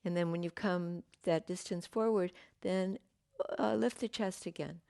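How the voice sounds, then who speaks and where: A woman teaching a yoga class, giving gentle, unhurried cues with pauses and fillers, her voice slightly croaky. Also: fairly low pitch, steady tone, dry recording, studio quality. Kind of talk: guided yoga class instruction.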